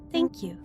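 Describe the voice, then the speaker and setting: A woman playing a gentle, earnest female alien starship captain in an audio roleplay, speaking in formal, precise sentences straight to the listener. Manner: formal, precise, slightly stilted wording.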